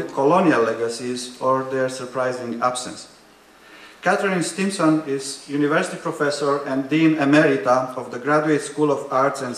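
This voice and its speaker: A man from Romania moderating an academic panel, introducing speakers in a measured way with frequent fillers and dry humor. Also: a little high. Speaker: higher education policy researcher. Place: conference hall. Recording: echoey conference hall.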